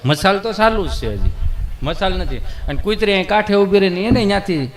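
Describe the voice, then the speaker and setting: A man's voice: high-pitched, lively intonation, quick pace. A man telling folk jokes as a comedian, acting out villagers in shifting voices. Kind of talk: live folk joke storytelling.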